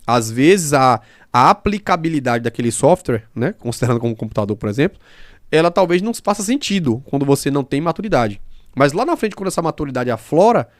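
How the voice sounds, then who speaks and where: A man's voice: mid-range voice, no echo, clean studio sound. A man hosting a casual podcast conversation, explaining points emphatically with examples. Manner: fast-talking. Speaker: podcast host.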